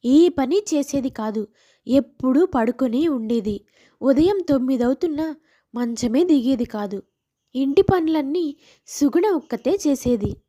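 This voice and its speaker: A woman's voice: high voice, lively intonation, measured pace, warm tone. A woman storyteller giving scripted narration of a moral family tale.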